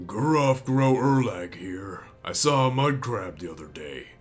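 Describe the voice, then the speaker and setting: Blunt fantasy game orc , put on by a man, low voice, disgusted, faint music behind. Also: animated, measured pace.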